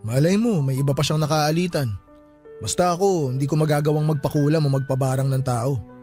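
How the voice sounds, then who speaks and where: A man's voice: a little high, fairly quick, mellow, lightly acted. An actor playing a superstitious young man at a wake in a radio drama. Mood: somber. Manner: casual, superstitious talk. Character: young man friend at a wake, jumpy, sees spirits. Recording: faint music under the voice.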